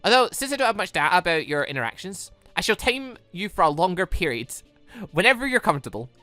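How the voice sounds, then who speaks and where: A woman voicing an earnest, clinical robot girl in a game, with precise, formal, measured speech. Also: fairly low pitch, very animated, bright, forceful tone, dry recording, soft background music.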